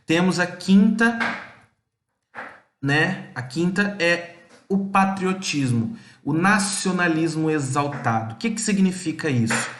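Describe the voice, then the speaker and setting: A man's voice: on the high side, lively intonation, takes it slowly, a bit bright, roomy sound, a little hiss or hum. A male history teacher with a Brazilian Portuguese accent, explaining a lesson and asking himself questions, with many restarts and fillers. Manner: explanatory, poses and answers his own questions. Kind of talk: recorded classroom lesson.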